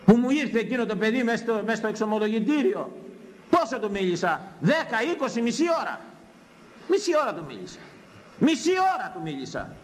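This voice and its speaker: Older priest preaching with emphatic repetition. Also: male voice, high voice, very animated. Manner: emphatic, repeats phrases for effect. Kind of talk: sermon on scripture.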